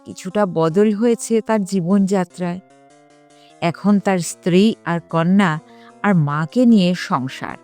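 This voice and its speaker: Female storyteller, mid-pitched voice, measured suspenseful delivery with dramatic pauses, music underneath. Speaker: storyteller reading a ghost story. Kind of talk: dramatic scripted narration of a story. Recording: music behind the voice. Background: background music.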